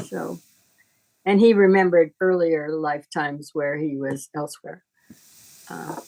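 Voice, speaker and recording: A middle-aged woman teaching informally in conversation, explaining things in a halting, deliberate, reflective way. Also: sits low, little pitch movement, gravelly, darkish tone, poor audio. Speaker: astrology teacher.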